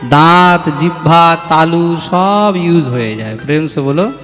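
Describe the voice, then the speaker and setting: A man's voice: a little high, measured pace, fairly bright tone. A male preacher giving a devotional sermon, chanting verses and calling out for responses from his listeners. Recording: reverberant hall with music.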